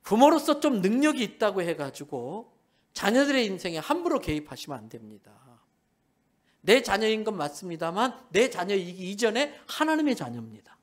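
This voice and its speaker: A male pastor preaching a sermon, acting out biblical characters in quotes and swinging between loud emphasis and hushed asides. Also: sits high, moderate pace. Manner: animated preaching, acts out the brothers and Joseph in quoted lines.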